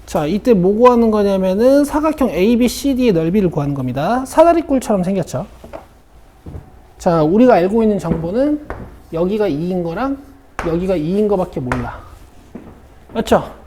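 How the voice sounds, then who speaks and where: In an academy classroom in South Korea, a woman math teacher leads a lesson, working through a problem while repeatedly checking in with her students. Her medium-pitched voice is warm and sing-song at a normal speed, with slight background noise.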